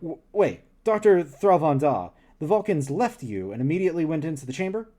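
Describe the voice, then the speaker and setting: Male reader doing a probing starship captain, pitched up, lively intonation. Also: fairly quick.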